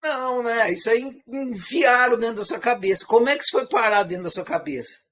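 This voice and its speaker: Lecturing briskly and informally, this teacher is a man with a fairly high voice whose Brazilian Portuguese accent is part Minas Gerais and part rural caipira. His loose, conversational style is full of questions to listeners, and he drives points home with big swings in pitch and volume.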